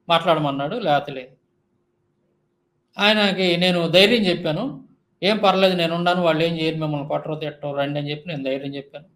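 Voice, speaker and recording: A man's voice: high-pitched, fairly bright tone. A man giving a heated monologue rebuttal, firing off indignant rhetorical questions. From India. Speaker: Christian YouTube commentator.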